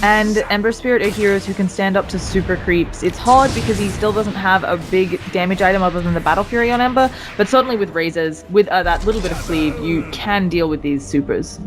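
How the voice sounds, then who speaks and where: A woman's voice: medium pitch, a little fast, few pauses. A woman giving live esports commentary and analysis in a conversational, analytical way. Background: game music.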